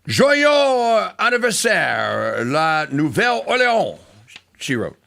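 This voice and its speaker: Slow and marked by vocal fry, the voice of this middle-aged Louisiana talk radio host swings animatedly in pitch. His casual show wanders off on tangents, full of fillers and restarts.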